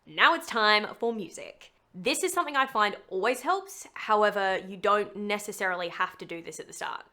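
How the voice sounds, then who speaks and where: A woman presents a scripted tutorial in a medium-pitched voice. She is chatty and leans on her key words, with a self-deprecating streak of humour. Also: moderate pace, sharp tone. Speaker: voice actor teaching how to make a demo reel. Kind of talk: scripted tutorial narration to camera.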